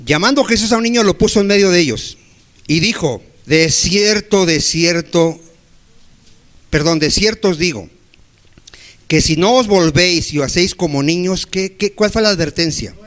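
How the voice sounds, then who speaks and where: A male pastor with a fairly high voice delivers a sermon in church. He keeps firing questions at his listeners, then drops low and slow to act out a humble plea to God. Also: fairly bright tone. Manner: preaching with rapid rhetorical questions to the congregation; acts out pleading prayers, dropping low and slowing down.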